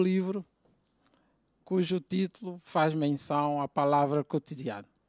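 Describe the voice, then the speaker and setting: A man at a fairly slow pace with ordinary pitch variation, dry sound with no echo and a quiet background. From Angola. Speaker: author. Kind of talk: formal book presentation speech. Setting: auditorium, also streamed online. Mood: reflective, personal, somber moments. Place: hall. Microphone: handheld.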